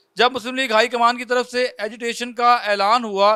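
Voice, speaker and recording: Projecting loudly, a man speaks at an extremely high pitch in a bright, sharp tone with fairly even intonation. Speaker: TV reporter. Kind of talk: news report to camera.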